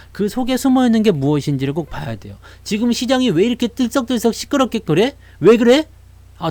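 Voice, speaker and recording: Man, market commentator, high lively voice, sardonic rhetorical questions, dry close sound. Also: no room sound. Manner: animated, mocking, rhetorical questions; blunt, slangy asides.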